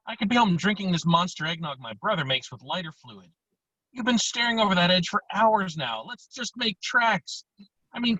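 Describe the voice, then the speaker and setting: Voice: mid-range voice, sharp tone, husky, no echo, heavily acted. A performer voicing a laid-back, spaced-out young slacker guy in an amateur script read, talking in slangy phrases. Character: wasted, laid-back slacker ski buddy, young man. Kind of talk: amateur virtual table read of a film script. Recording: dull, lo-fi online call.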